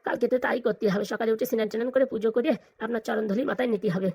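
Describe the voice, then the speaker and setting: A performer voicing a fawning, flattering lawyer sidekick in a comedy cartoon, eager and colloquial. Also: medium pitch, very fast, breathy edge, dry recording. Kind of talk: exaggerated cartoon comedy dialogue.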